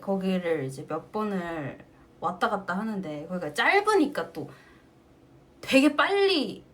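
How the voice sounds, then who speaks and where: A woman singer casually chatting with her fans on a livestream, telling stories with frequent laughter, recorded on a phone mic. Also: on the low side. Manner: animated storytelling, often breaking into laughter. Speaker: singer hosting a fan livestream.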